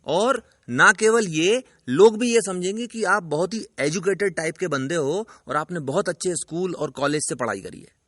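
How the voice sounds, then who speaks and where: High-voiced man giving an emphatic lesson. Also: lively intonation, moderate pace, hardly any pauses, fairly bright tone, dry recording, clean studio sound. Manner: emphatic, lecturing, addresses viewer directly. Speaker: English teacher. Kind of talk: instructional video lesson.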